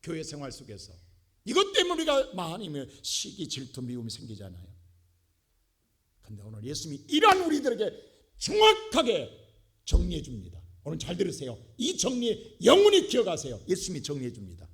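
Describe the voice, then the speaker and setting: A man preaching a sermon as pastor, dramatically acting out the words of biblical figures and swinging between quiet low asides and loud, impassioned bursts. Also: huge pitch swings, a little fast, breathy edge. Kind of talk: Korean church sermon. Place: church sanctuary.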